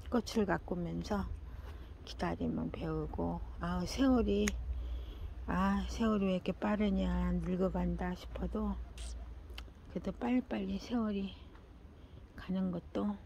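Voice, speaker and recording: An older woman talking slowly to herself while tending plants in a casual gardening vlog, often dropping into a half whisper. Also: lowish voice, fairly even intonation, gravelly, warm tone, slight background noise. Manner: slow, murmuring, often drops to a half whisper. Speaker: gardening vlogger.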